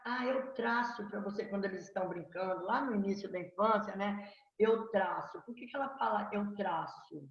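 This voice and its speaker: A woman's voice: medium pitch, recorded from a distance. A middle-aged woman, teaching a grammar lesson in a classroom and often checking in with "tá vendo?" and "né?". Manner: explains slowly, asking "tá vendo?" and "né?". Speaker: Portuguese teacher. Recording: echoey, dull, lo-fi classroom recording.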